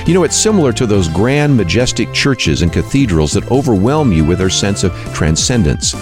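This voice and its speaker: Deep-voiced man narrating, lively intonation. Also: moderate pace, over music. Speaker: radio program host. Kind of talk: scripted radio teaching narration.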